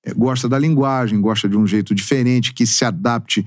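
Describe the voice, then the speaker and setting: A man in his forties, a sports narrator, chatting as a podcast guest in an expressive, talkative storytelling way with casual slang. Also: mid-range voice, moderate pace, dry recording, studio quality. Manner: expressive storyteller with emphatic, swooping delivery. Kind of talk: casual interview chat.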